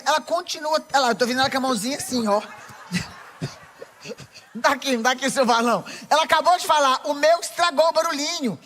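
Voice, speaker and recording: A woman with a Brazilian Portuguese accent preaching a lively sermon to a women's audience, playful and teasing, speaking straight to the crowd. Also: high voice, slight background noise.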